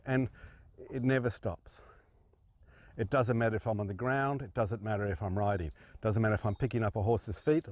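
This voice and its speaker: A man working as a horse trainer who speaks calmly and patiently, coaxing the horse at times and reflecting on training at others. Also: on the low side, no room sound. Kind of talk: teaching talk while working a horse. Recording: dull lo-fi sound.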